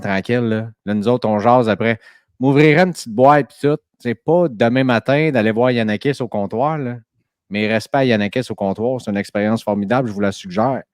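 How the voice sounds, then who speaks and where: A man's voice: on the low side, clear, resonant tone, no echo, clean studio sound. A man hosting a podcast, chatty and enthusiastic with plenty of fillers. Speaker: host. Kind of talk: casual podcast chat.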